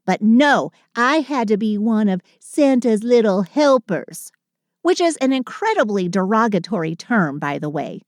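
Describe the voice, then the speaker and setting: A woman's voice: mid-range voice, big pitch swings, a little slow, dry recording, studio quality. A woman playing a short, sulky but affectionate Christmas elf in an intimate audio roleplay, with dramatic sighing complaints and fond endearments. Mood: indignant venting.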